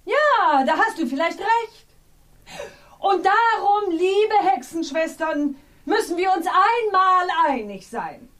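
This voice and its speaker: A woman's voice: extremely high pitch, expressive, slow pace, fairly bright tone, far from the mic, full character voice. A woman playing an earnest witch mother in a children's radio play, rehearsing a speech with emphatic delivery. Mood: conceding. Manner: declamatory, emphatic repetition.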